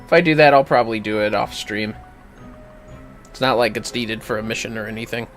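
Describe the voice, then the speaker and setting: A man's voice: lowish voice, brisk, fairly bright tone. A man casually chatting to viewers on a gaming livestream, rambling and swearing as he talks to himself. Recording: music playing behind the voice. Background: clear music.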